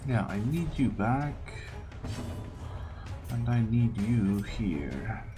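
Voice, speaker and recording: Guy doing casual gameplay commentary, kinda hesitant, thinking out loud, game music pretty loud behind him. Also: fairly low pitch, sing-song, drawn-out words. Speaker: gaming video host. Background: video game music.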